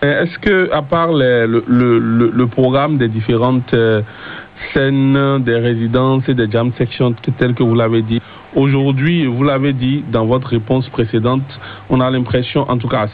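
A man's voice: mid-range voice, phone-quality sound. A man putting questions as a radio interviewer, heard over shortwave. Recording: thin, hissy shortwave radio reception.

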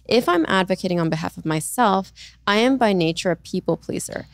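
Young woman host, smooth lowish voice, earnest chatty story, dry studio mic. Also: expressive, fairly quick, no room sound. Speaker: podcast host. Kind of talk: casual conversational interview. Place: bright studio with leather armchairs. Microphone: studio mic on boom arm.

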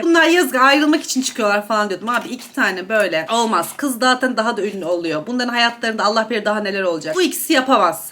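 High-voiced chatty woman vlogger. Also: fairly bright tone. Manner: chatty, gossipy, gushing, talks while eating. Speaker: beauty and gossip YouTuber. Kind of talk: casual mukbang chat reviewing celebrity outfits.

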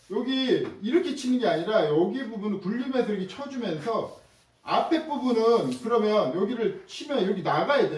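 A man's voice: high voice, a little mellow, reverberant, far from the mic, rough recording. A man teaching a casual sewing tutorial, chatty and demonstrative, talking straight to his viewers as he works. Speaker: sewing instructor.

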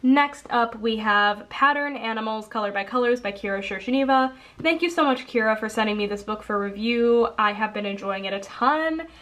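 A young woman with a slightly high voice chats casually through a congested nose. She rambles a bit, dropping ums and correcting herself as she goes. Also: moderate pace, hardly any pauses, fairly bright tone. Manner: chatty, rambling, frequent ums and self-corrections. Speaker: coloring channel host. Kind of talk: casual haul video chat. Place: indoors at a table.

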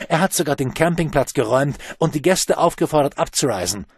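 A man voicing a furious woman who scolds her lover in sharp, accusing tones. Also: on the high side, lively intonation, a little fast, slightly rough, no echo, clean studio sound, voice pushed up.

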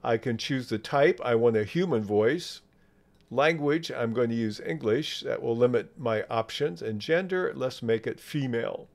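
Male software instructor, medium pitch, measured explanatory delivery for screen walkthroughs. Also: creaky. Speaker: software tutorial presenter. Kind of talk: step-by-step screen tutorial narration.

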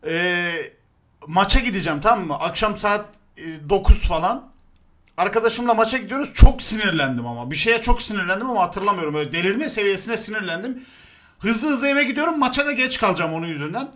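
A young man hosting a casual chat, telling stories in an animated, crude, joking way. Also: sits high, fast. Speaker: show host.

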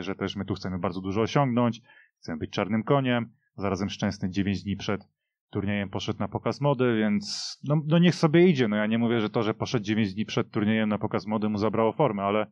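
A man's voice: fairly low pitch, no echo, highs cut off. A man reminiscing casually about football as a panelist, speaking in an emphatic, opinionated way. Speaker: podcast panelist. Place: dry radio studio.

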